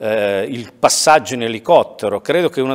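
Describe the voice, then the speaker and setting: A man is speaking. The background is quiet. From northern Italy, Ossola (Piedmont); northern Italy. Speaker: politician, senator. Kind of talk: TV interview. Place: studio. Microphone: lapel.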